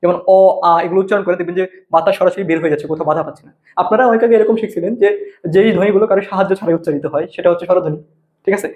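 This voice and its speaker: A man's voice: high-pitched, very fast, a little mellow. A man teaching a grammar class, explaining step by step and answering his own questions. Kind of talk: grammar lesson lecture.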